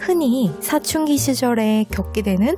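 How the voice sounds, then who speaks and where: Delivery comes at a very slow pace with music in the background. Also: woman. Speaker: audiobook reader and book reviewer. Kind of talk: book review and audiobook reading.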